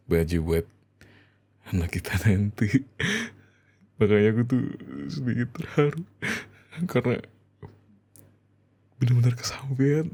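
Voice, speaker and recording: A man with an Indonesian accent playing a loving, emotional young husband in an intimate ASMR roleplay, speaking tenderly and haltingly. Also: sits low. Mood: wistful, touched. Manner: tender, halting, soft chuckles and whispers. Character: loving young husband, overjoyed about becoming a father.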